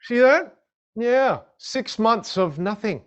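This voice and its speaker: A man's voice: very high voice, animated, slow pace. A man whose first language is a Chinese dialect teaches public speaking in a live online masterclass, upbeat and greeting viewers in the chat.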